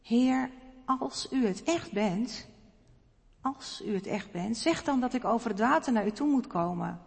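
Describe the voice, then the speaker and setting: A woman reading the lines of an anxious male fisherman disciple, slow and earnest, in a Bible story told during a sermon. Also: fairly high pitch, expressive, creaky, darkish tone, slightly rough, in a large hall, exaggerated voice. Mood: pleading.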